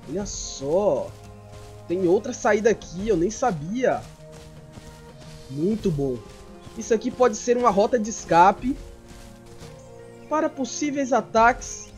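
A young Brazilian man with a Brazilian Portuguese accent, narrating a game in character as his creature, excitable and quick to shout in panic. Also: high voice. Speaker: gameplay streamer. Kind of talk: in-character gameplay commentary.

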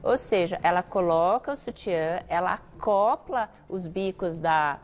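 A woman's voice: fairly low pitch, measured pace. A woman with a Brazilian accent, a gynecologist guest on a TV talk show, explaining and giving advice fluently. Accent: Brazilian Portuguese.

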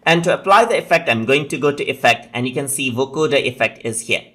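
A man with a bright, forward voice at an average pitch narrates a software tutorial. He walks the listener through it step by step, in an instructional manner. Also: expressive, fast talker. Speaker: tutorial presenter.

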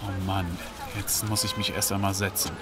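A man's voice: low voice, monotone, normal speed, very noisy, close to an everyday voice. An actor playing a weary, troubled man, subdued and thoughtful, in a German audio drama. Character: weary, troubled man confiding in his neighbour.

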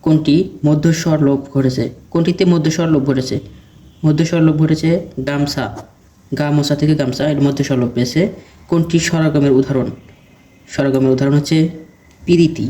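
A man teaching exam preparation, reading out quiz questions and then giving each answer in a steady question-and-answer recitation. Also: a little high, a little fast, long pauses.

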